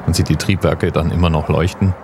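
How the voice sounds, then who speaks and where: A man's voice: a bass voice, steady tone, a little fast, noisy background. A man hosting a podcast, explaining things in a conversational narrating style. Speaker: podcast host.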